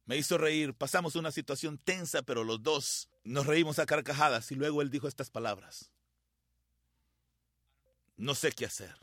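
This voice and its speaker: A middle-aged man preaching a sermon, telling a personal story with feeling and dramatic pauses. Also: on the high side, fairly bright tone, no echo, studio quality. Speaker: pastor.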